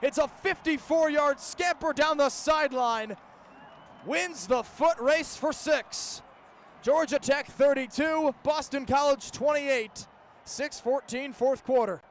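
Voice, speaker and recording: A man's voice: very high-pitched, slow pace, slight background noise. A man in his early twenties calling live American football play-by-play in the style of a radio broadcast. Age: early 20s. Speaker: play-by-play sports announcer. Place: outdoor stadium broadcast position.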